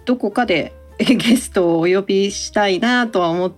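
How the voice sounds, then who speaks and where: A woman's voice: medium pitch, normal speed, faint music behind. A woman co-hosting a podcast, talking casually and conversationally. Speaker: podcast co-host.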